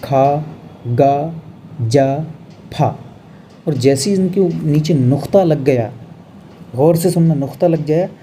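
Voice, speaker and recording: A man teaching an exam revision lesson on Hindi grammar, explaining step by step and slowing down to show how words are pronounced. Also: fairly high pitch, dark tone, slight background noise. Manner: explains step by step, often adds "bhai" and "hai na"; drawn-out, slow when showing pronunciation.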